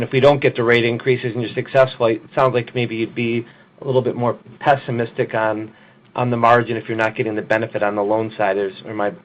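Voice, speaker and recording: A man with an average-pitched voice puts questions as a financial analyst. He phrases them casually and loosely, circling around the point. The sound is somewhat muffled, as on a conference call. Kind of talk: informal unscripted earnings call questions.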